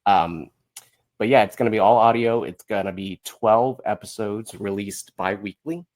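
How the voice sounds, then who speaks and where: Low-voiced guy, candid and chatty. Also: normal speed, darkish tone. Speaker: podcast guest, musical writer. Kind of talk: casual interview chat.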